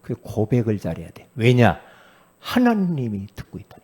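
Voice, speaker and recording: A middle-aged man preaching as a pastor in a sermon, lively, often asking the congregation questions and acting out quoted voices. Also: mid-range voice, moderate pace, breathy edge.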